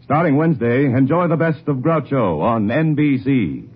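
A man's voice: mid-range voice, lively intonation, moderate pace, slightly rough, phone-quality sound. A man reading scripted promotional announcements as a 1950s network radio announcer. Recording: thin, band-limited, hissy vintage radio recording.

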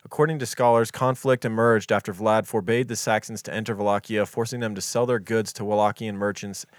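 Reading historical dates and quotes off his notes, a true crime podcast co-host keeps things offhand, casually cursing and fumbling foreign names. His voice is on the low side, steady and fairly quick, captured in a clean, echo-free studio.

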